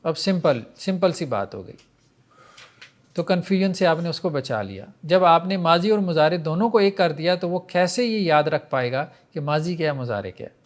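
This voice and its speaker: A man's voice: fairly high pitch, lively intonation. A man teaching Arabic grammar in a classroom lecture, patiently explaining and reciting verb conjugations in a chanting rhythm.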